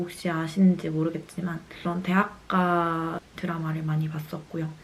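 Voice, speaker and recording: The speaker has a strong Busan accent. Noticeable background noise can be heard. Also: woman. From Busan, South Korea. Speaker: medical student vlogger. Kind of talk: Q&A vlog talk.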